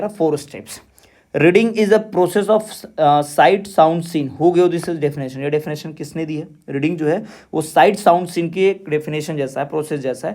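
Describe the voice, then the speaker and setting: A man runs an exam-prep lesson in a fairly high voice. He reads each question out slowly, then switches to fast explanation and drills the answer with repetition. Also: warm tone. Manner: quizzing, repeats answers to drill them. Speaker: teacher.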